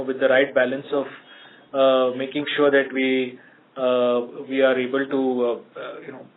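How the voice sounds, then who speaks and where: Indian-accented executive man on a muffled call. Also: mid-range voice. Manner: measured, explanatory, halting with frequent mid-phrase pauses. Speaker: company executive answering analyst questions. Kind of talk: earnings call answers. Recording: muffled band-limited conference call line.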